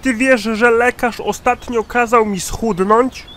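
Guy doing an old cartoon man, high voice, nosy and not buying it, always questioning. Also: steady tone, takes it slowly, sharp tone, a little hiss or hum, exaggerated voice. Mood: curious. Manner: incredulous, questioning. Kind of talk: cartoon comedy skit acting.

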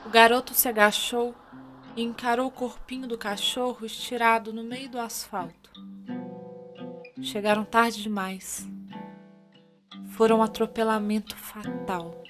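A woman's voice: a little high, steady tone, a little slow, pauses often. A Brazilian woman narrating a scripted radio drama as a theatrical storyteller. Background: music with guitar.

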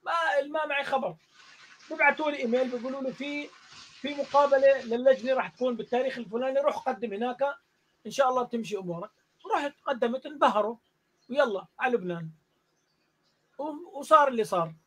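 A man's voice: very high-pitched, fast talker, husky. A man with a Jordanian accent, a music teacher telling a story in a casual online interview and acting out the dialogue. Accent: Jordanian Arabic. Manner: animated, acts out dialogue in the story.

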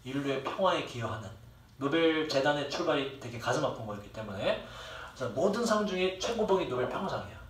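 A man's voice: mid-range voice, expressive, quick pace. A young man teaching a class, who rambles, jokes with his students and swears freely. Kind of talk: classroom lecture. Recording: echoey room, distant mic, faint ambience.

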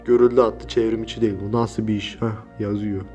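A man's voice: on the low side, level tone, a little fast, lo-fi sound, faint music behind. A young man filming a scare prank vlog, talking in slang and swinging from mutters to frightened yelps. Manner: slangy, exclaiming, swings between mumbling and yelling. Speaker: YouTuber.

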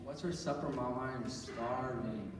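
A man's voice: medium pitch, a little slow, natural voice. A man playing an eager, cheeky eleven-year-old little brother in a stage radio play. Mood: hungry, complaining. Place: large church auditorium, recorded from the audience. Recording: echoey hall from far off, faint noise.

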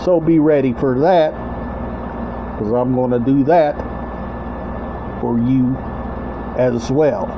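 A middle-aged man talking casually to camera as a vlog host, in halting short phrases with repetition, recorded indoors at home. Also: mid-range voice. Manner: halting, short broken phrases, repeats himself. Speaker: host of a collection video channel. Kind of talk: casual rambling show-and-tell vlog. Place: small room at home, indoors. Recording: dull lo-fi webcam-like sound, clear background noise.

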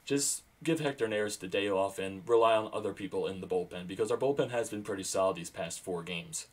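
A young man recapping a game as an excited fan at home, with bursts of loud enthusiasm and a sore, fading voice. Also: low voice, a little fast. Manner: animated, rising to loud bursts on big plays. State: losing his voice, sore throat. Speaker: sports vlogger. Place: small room at home.

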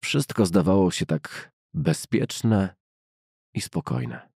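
A man reading a classic novel as an audiobook narrator, in a measured, carefully enunciated way. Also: deep voice, big pitch swings, gravelly, a little mellow, slightly rough, dry recording, clean studio sound.

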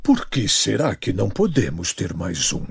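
A man voicing a doubtful adult rooster husband in a children's cartoon, with a rough, husky voice. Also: lowish voice, wildly swooping pitch, moderate pace, no echo, heavily acted. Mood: puzzled. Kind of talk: animated storybook dialogue.

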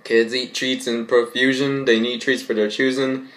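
A young adult man in his bedroom reads fan fiction aloud and reacts, rambling and stumbling often. His medium-pitched voice is a bit bright, with flat delivery at normal speed, and the audio quality is poor.

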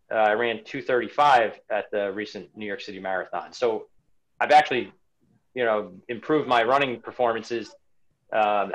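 A man's voice: mid-range voice, low-quality recording. A man in his forties on a video call from home, talking reflectively about his life, often restarting and repeating words. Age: 40s. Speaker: interview guest, runner. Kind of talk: casual video-call interview. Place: home room indoors. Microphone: webcam on a video call.

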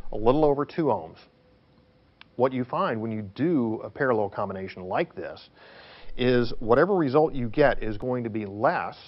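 Man, instructor, didactic, animated pitch, question-and-answer explaining, step-by-step delivery, slightly lo-fi audio. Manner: didactic, emphatic, poses questions then answers them.

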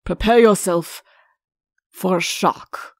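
A woman's voice: fairly low pitch, slow, no echo, studio quality. A woman voicing a pompous, short-tempered, imperious king in a storybook reading. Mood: grave, portentous. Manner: imperious, stern, grandiose.

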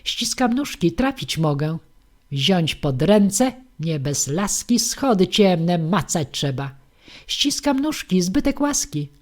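A woman's voice: lowish voice, very animated, takes it slowly, exaggerated voice. A woman reading aloud and voicing a boastful, cowardly man who flusters and fawns. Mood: fawning. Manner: fawning, flustered, bowing and scraping. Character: boastful cowardly male braggart, fawning and jittery.

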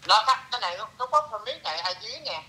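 A middle-aged man tells a story in a casual, lively way, his voice very bright and a little high. He drops into broken English phrases as he talks. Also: rapid-fire, low-quality recording. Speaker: interviewee.

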